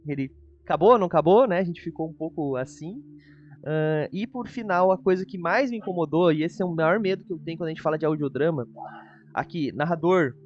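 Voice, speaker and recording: A man's voice: a little high, brisk. A Brazilian man chatting casually as co-host of a review show, informal and rambling. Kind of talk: casual spoken review chat. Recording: dull, lo-fi audio. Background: music.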